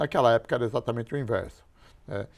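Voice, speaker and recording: The very clean recording, with a silent background, carries speech with ordinary pitch variation. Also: man. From Brazil, rural São Paulo state. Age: 60s. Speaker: pharmacy business owner. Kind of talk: podcast interview. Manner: halting, many false starts.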